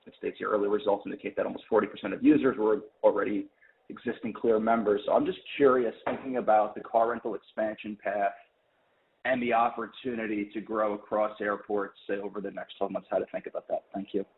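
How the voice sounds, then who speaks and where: A man's voice: fairly low pitch, little pitch movement, a little fast, gravelly. A man asking polite questions as a financial analyst on an earnings call. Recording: tinny phone-line caller.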